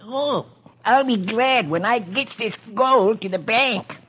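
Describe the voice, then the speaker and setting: Man doing a sly male rabbit, high voice, playful drawl, old radio story, muffled lo-fi sound with music behind. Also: slow pace, pushed and bright, breathy edge, full character voice.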